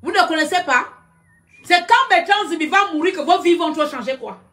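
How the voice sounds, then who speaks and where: Woman streamer, high-pitched, loud and combative, shouts at her viewers over a webcam. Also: animated, moderate pace. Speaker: live-stream commentator. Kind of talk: heated live-stream rant. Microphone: computer webcam.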